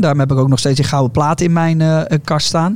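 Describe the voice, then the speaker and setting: An unremarkable speaking voice, a man's fairly high pitch moves at a fairly quick pace with ordinary pitch variation. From Netherlands. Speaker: podcast host. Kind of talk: casual chat.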